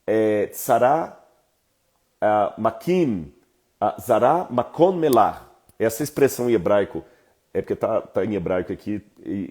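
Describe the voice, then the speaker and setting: A Bible teacher with a Brazilian Portuguese accent gives an informal lesson, lecturing in a lively, conversational style and tossing asides to his viewers. His voice is lowish and husky.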